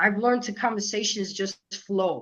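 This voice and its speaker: A woman speaks in a New York accent at a fairly slow pace. Her tone is bright, sharp and animated, with a medium pitch. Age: 40s. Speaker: live stream host. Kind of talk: casual live-stream talk.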